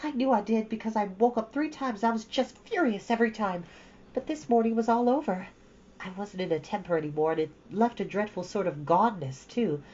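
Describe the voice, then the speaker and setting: A woman voicing an imaginative, talkative orphan girl who speaks in a high, gushing, dramatic way. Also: a little fast, a little mellow, close to an everyday voice. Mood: earnest. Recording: slightly dull lo-fi recording.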